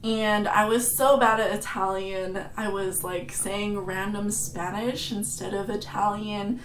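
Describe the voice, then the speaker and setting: An American woman in her twenties from San Francisco chats casually to camera as a travel and food vlogger, joking about herself and laughing at her own expense. Her voice is medium-pitched with fairly even intonation and a slightly slow pace. The room is echoey and there's background noise.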